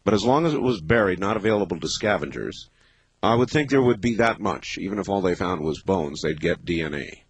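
A man of fifty hosting a late-night call-in radio show, talking in a thoughtful, measured way with many pauses and fillers. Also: low-pitched, lively intonation, slightly rough, dry recording. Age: 50s. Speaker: radio talk show host.

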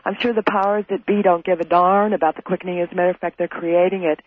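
A man with a high voice calls in and presses the guest with suspicious, challenging questions. The sound is dull and muffled, with no room echo. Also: steady tone, fast. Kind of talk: call-in radio conversation.

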